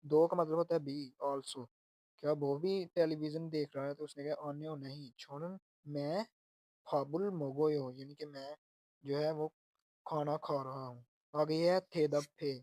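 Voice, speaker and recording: A male language teacher explaining exam lessons step by step, slowly repeating each phrase and its meaning. His voice is fairly high for a man and stays flat in tone. The recording is dry and close. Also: dry recording. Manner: patient, repeats and explains word by word.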